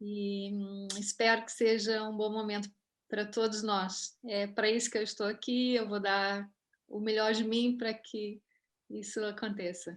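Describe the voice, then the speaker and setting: Her voice fairly high, a woman with a Brazilian accent speaks at a fairly slow pace in a monotone, flat way. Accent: soft Brazilian. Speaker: photographer. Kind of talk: presentation. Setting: video call. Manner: halting.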